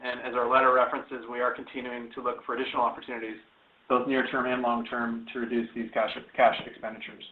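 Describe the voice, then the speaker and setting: A male executive answers on an earnings call in a flat, brisk delivery. The sound is phone-like, with a roomy echo around the voice. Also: medium pitch. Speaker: company executive.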